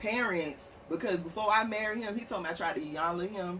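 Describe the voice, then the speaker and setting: Animated tone from a woman at medium pitch, with noticeable background noise. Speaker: life coach, live stream host. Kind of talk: casual livestream chat. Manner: loud.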